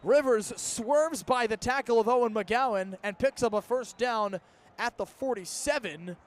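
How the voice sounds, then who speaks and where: A man in his twenties with an American accent calling live football on radio as play-by-play announcer, in crisp, detail-packed phrases. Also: very high voice, unhurried. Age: 20s.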